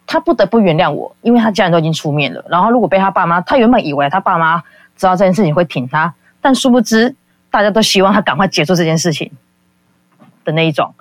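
A caller rattles through a personal story at a quick clip. The talk rambles, full of fillers, with quoted people acted out along the way. The sound is dry and close, with no room around it. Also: medium pitch, expressive, no echo. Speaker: call-in guest. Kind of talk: casual confessional storytelling.

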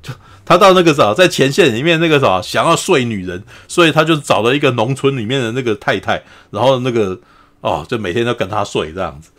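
A man, hosting a podcast. He retells a drama in a chatty, laughing way, keeps asking "you know?", and acts out the quotes in a higher voice. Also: animated, fairly quick, fairly bright tone. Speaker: podcast host. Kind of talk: casual storytelling recap of a TV drama.

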